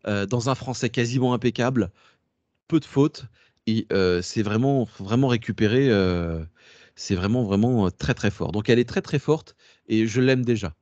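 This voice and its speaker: A man's voice: mid-range voice, normal speed, a little mellow, no room sound. Brief: slangy male presenter, plain mid voice, dry dull lo-fi sound, digresses. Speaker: workshop presenter. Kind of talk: casual talk to a class.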